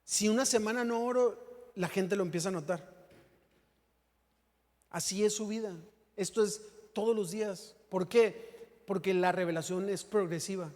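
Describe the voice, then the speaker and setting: A man preaches in a high voice, trading jokes and questions with his congregation. His sermon is relaxed and chatty rather than formal. The church hall leaves a long echo trailing behind each phrase. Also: moderate pace, pauses often. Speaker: pastor. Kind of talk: humorous conversational sermon.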